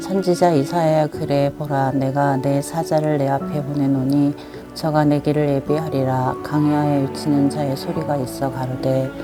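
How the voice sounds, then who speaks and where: Music plays in the background as a woman talks with a very deep, low pitch and fairly even intonation. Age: old. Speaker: Bible reader. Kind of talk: Bible reading.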